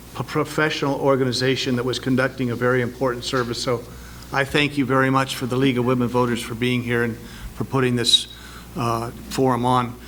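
Noticeable background noise sits behind a man with an American accent. He talks at a fairly quick pace and medium pitch in a monotone, flat intonation. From Tucson, Arizona. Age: 70. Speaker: political candidate. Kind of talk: candidate forum statement. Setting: library event with live audience. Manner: hesitant, frequent fillers.

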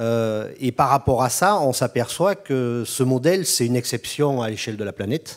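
A man's medium-pitched voice at a fairly slow pace over a quiet background. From France, Cantal; France. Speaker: cattle farmer and union leader; speaker. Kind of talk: panel discussion. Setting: conference room with audience. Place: stage. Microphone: handheld.

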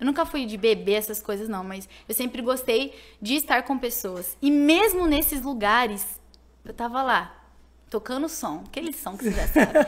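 A woman's high-pitched voice at a moderate pace, with lively intonation and big swings in loudness. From São Paulo, Brazil. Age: 20s. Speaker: gospel singer; podcast guest. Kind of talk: testimony. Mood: warm, smiling, reflective. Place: studio. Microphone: studio mic.

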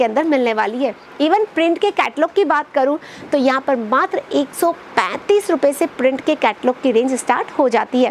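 A woman with lively intonation at a moderate pace, over light background noise. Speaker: presenter. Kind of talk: promotional shop tour talk. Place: shop.

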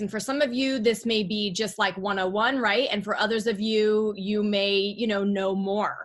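A woman's speech at a moderate pace, the background quiet. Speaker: webinar host presenting health topic. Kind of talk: lecture. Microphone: video call.

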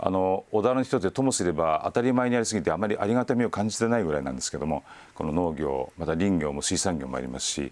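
Very deep and low, a man's voice races along at a very fast pace with very wide pitch swings and hardly any pauses. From Kanagawa, Japan (Odawara); Kanagawa, Japan. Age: 60s. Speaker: mayor. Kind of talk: live TV interview. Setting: TV studio. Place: studio. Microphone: lapel.

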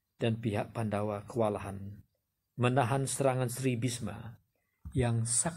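Speaking in a dramatic, solemn tone, a man with a medium pitch and a somewhat breathy voice keeps a moderate pace and fairly even intonation. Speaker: narrator of an epic retelling. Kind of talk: scripted narration of a mythic epic, with dialogue read in character. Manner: dramatic, solemn storyteller pacing.

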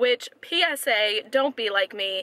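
A woman's raised, projected voice comes through with a dry sound and no echo. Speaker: teacher vlogger. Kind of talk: casual vlog chat. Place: car. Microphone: phone near.

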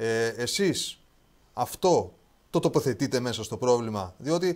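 A man talks against a quiet background. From Greek island. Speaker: TV host. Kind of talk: interview. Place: studio. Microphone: lapel.

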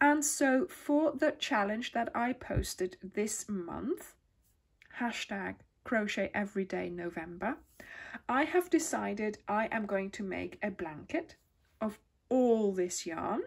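Very slowly, a woman speaks with vocal fry and very wide pitch swings. The background is quiet. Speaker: crochet channel host. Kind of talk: casual craft vlog chat. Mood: cheerful, chatty.

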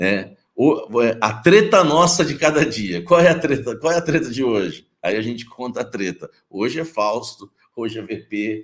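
Over a quiet background, a man at a medium pitch speaks with very wide pitch swings. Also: moderate pace. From Brazil. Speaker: sports journalist. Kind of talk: casual commentary monologue. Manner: animated, complaining tone. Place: studio.

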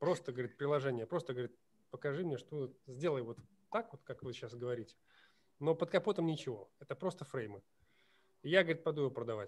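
A man with a fairly high, somewhat breathy voice talks very fast, his intonation lively. He leaves long, frequent pauses between bursts. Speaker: project manager. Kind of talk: online group discussion. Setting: video call. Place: office. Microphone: video call.

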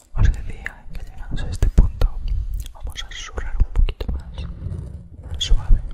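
A woman whispers in a soft-spoken way. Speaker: ASMR creator. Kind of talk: whispered ASMR chat. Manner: soft close-mic whisper. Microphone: studio mic.

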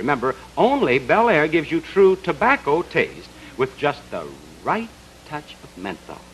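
With an American accent, a man talks at a fairly slow pace in a fairly high voice with vocal fry and very wide pitch swings. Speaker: game show host. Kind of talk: live TV commercial read. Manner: upbeat.

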